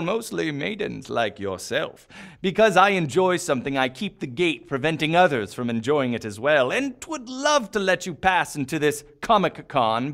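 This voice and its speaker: A smug, condescending fantasy gatekeeper in a comedy sketch. The delivery is theatrical and archaic, with big swings in pitch. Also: male voice, fairly bright tone. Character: pompous, smug fantasy gatekeeper fanboy in knightly speech.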